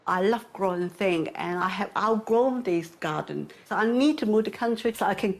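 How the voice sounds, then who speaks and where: A woman's voice: medium pitch, moderate pace. An older woman chatting casually as a house hunter, using chatty, phrasing. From Hong Kong. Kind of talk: casual interview chat.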